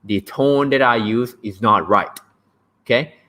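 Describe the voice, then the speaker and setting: The livestream host, a young Thai-accented man from Thailand, keeps things casual while talking about language learning, bluntly joking and frequently tossing in "right?". He has a medium-pitched, bright voice with a forceful tone and a measured pace.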